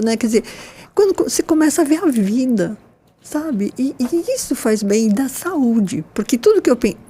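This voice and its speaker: A woman in her sixties, a nurse, talking warmly and expressively in a casual panel conversation. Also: on the high side, breathy edge. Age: 60s. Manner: enthusiastic, expressive, with frequent "né?" tags. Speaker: nurse and guest.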